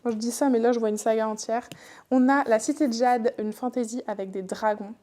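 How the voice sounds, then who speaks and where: A woman's voice: fairly high pitch, fairly even intonation, a little fast, warm tone. A young woman chatting casually to camera as a book vlogger, chatty and self-mocking.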